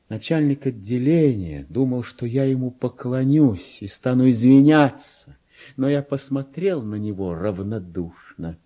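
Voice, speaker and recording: An actor playing a deluded petty clerk who believes himself a king, in a theatrical radio monologue with a husky, grandiose and erratic delivery. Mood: haughty, sly. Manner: grandiose, erratic, swinging from hushed confiding to shrill outbursts.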